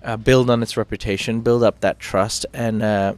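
A man's voice: lowish voice, fairly even intonation, normal speed. A man with a British accent hosting a morning TV show, talking through news in a chatty, self-mocking way with fillers and restarts. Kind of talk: casual news chat.

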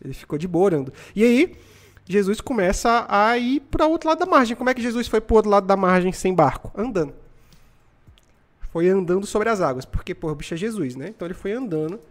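A Brazilian man in his twenties hosting a live stream, telling stories in casual, slangy, animated motivational chat. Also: high-pitched, fast talker. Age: 20s.

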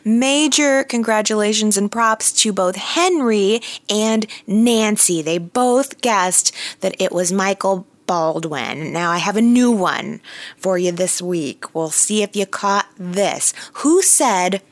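A woman host recording a casual solo audio update, her voice slightly raspy and a little hoarse while she recovers, talking chattily with many fillers and restarts. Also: mid-range voice, slow, no echo. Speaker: podcast host.

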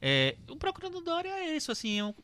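A man's voice: very high-pitched, huge pitch swings, quick pace, pushed and bright. A man in a casual film discussion, thinking aloud hesitantly with many fillers.

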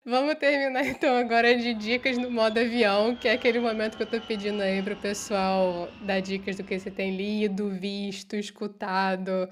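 A woman's voice: mid-range voice, level tone, normal speed, few pauses, noisy background. A woman with a Brazilian Portuguese accent, hosting a casual interview. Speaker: interviewer, host.

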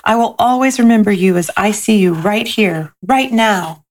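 An eager little child soul, high and pleading, as a woman reads it. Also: moderate pace, close to an everyday voice. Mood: earnest. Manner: excited, pleading.

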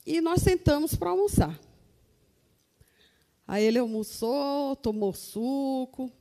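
Earnest Brazilian woman testifying, mellow voice. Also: sits high, animated, takes it slowly, in a large hall. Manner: earnest, addresses listeners as brothers. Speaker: church member giving testimony. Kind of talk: testimony to a congregation.

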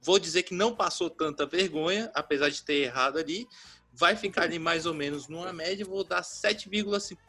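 A man's voice: a little high, brisk, sharp tone, soft background music. A man co-hosting a comedy podcast, announcing scores in a matter-of-fact way. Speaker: podcast co-host judge.

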